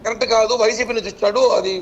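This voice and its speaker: A man's voice: high-pitched, fairly even intonation, rapid-fire, dull audio, a little hiss or hum. A man defending himself in a political debate, explaining at length with repeated false starts. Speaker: political party leader as debate guest.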